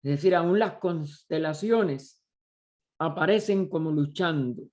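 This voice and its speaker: Slow, searching male study leader. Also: a little high, darkish tone. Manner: deliberate, searching for words, many pauses and restarts. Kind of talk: slow explanatory study lecture.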